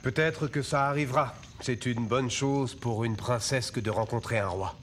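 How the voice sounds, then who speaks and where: A man playing a fatherly but firm old tribal chief in a French cartoon dub, speaking with measured authority. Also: mid-range voice, a little hiss or hum, natural voice. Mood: welcoming. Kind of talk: French animated film dub. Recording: loud music under the voice.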